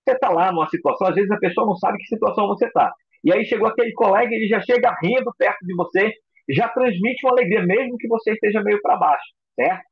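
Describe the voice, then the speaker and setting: A man teaching a recorded psychoanalysis lecture in an expressive way, acting out example voices. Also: sits high, fast, slightly rough, no room sound, lo-fi sound. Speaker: psychoanalysis instructor.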